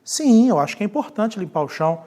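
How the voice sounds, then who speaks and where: A man's voice: high voice, big pitch swings, quick pace, mellow. A man voicing a meek male employee who dutifully agrees with his pastor. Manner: compliant, agreeing.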